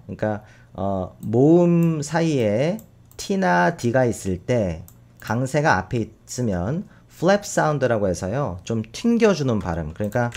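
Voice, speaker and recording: Man, teacher, recorded lesson, lively pitch, slow repeated word drills, keyboard typing behind. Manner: explains step by step, models English words slowly and repeatedly. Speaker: English teacher. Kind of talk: recorded vocabulary and pronunciation lesson.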